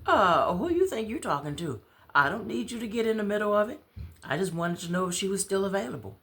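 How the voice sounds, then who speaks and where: Woman as sociable male friend in a read-aloud story, animated, casual, raised pitch. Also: a little fast. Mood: insistent. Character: easygoing male friend, sociable businessman with teaching dreams. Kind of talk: storybook dialogue reading.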